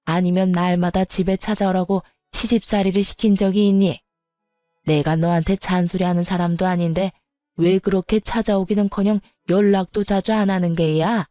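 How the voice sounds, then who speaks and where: A cranky elderly mother-in-law, as a woman puts her on, nagging and scolding her daughter-in-law in slow, drawn-out grumbles. The voice is mellow and dark, recorded dry and close. Faint music plays behind. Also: fairly low pitch, fairly even intonation, no echo, lightly acted. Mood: grumbling, scolding. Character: grumpy elderly mother-in-law, sharp-tongued.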